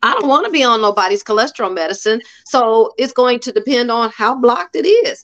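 A woman with an American accent talks at a fairly quick pace. Her voice is high-pitched, with lively intonation. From Ohio. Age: 50s. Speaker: corporate manager and travel consultant. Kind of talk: casual chat.

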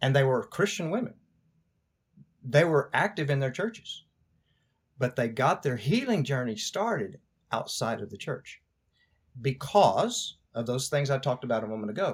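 The voice is somewhat breathy, with lively intonation. Long pauses come often. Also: man, medium pitch for a man, moderate pace. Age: 60s. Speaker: pastor. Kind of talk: interview.

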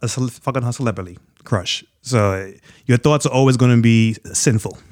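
A man with an unremarkable speaking voice talks at a moderate pace and medium pitch on a very clean recording with a silent background. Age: 30s. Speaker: fitness trainer. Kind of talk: casual chat.

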